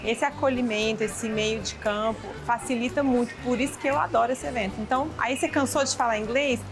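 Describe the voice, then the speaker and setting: A young Brazilian woman talks casually to an interviewer, chatty and quick to act out the lines of others. Her voice sits a little high, with clear music playing beneath. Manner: chatty, acts out quoted dialogue. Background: background music.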